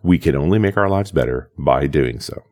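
A man's voice: extremely low pitch, animated, moderate pace, a little mellow. A man co-hosting a podcast in a casual, thoughtful chat, reading listener comments and musing on communication. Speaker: podcast co-host.

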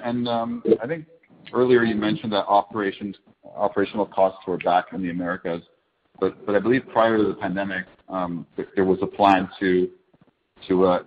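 Male analyst caller, very low voice, polite and tentative, dull conference-line sound. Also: fairly even intonation, a little fast. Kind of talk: asking questions on an earnings call.

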